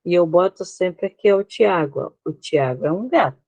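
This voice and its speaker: A woman's voice: lowish voice, lively intonation, normal speed, a little mellow, dry recording. A Brazilian woman teaching an online class, explaining slides step by step and often checking that her students follow. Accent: Brazilian Portuguese.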